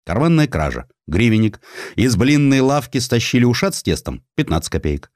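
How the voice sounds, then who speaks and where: A man's voice: mid-range voice, very animated, normal speed, darkish tone, dry recording, studio quality. A man narrating a satirical historical story as an audiobook, in a theatrical, ironic storytelling manner.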